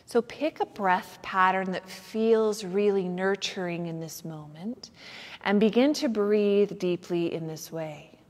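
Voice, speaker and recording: A woman teaching yoga nidra, guiding a meditation in a soothing, gentle manner with unhurried pauses. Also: mid-range voice. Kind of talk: guided meditation instruction. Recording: long hall-like reverb.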